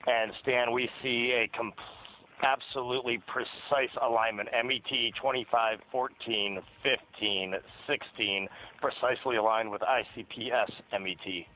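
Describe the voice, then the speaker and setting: A man's voice: mid-range voice, steady tone. Man on a distant radio comm link. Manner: brisk, precise readbacks. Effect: distant radio comm channel, like a sci-fi communicator. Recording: dull distant radio feed.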